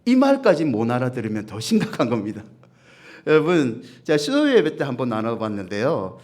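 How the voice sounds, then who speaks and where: A man's voice: mid-range voice, huge pitch swings, brisk, a little mellow. A man with a Gyeongsang accent preaching a sermon as senior pastor, humorous, often asking the congregation questions. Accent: Gyeongsang Korean. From Gyeongsang region, Korea. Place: church service.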